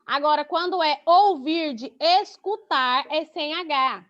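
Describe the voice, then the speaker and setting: A young woman teacher with a Goiás Brazilian Portuguese accent teaches children in an online class, explaining things by asking and answering her own questions. Her voice is high and a bit bright, and she goes at a slow pace. It comes through a video call as dull, lo-fi audio.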